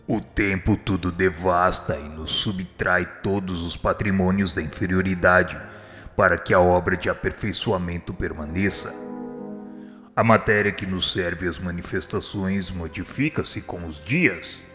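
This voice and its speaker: A man's voice: deep voice, steady tone, a little slow, fairly bright tone. An actor playing a kind, humble spirit instructor in a radio drama, solemn and eloquent as he pleads. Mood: solemn persuasion. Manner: solemn, supplicating, formal and eloquent. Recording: long hall reverb, music underneath. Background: music.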